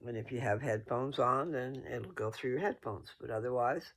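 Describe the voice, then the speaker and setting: A man's voice: medium pitch, moderate pace, fairly bright tone. A sleepy man casually talking through scripture for his followers in a folksy, rambling way, often correcting himself. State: sleepy, yawning. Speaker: host reading and discussing scripture.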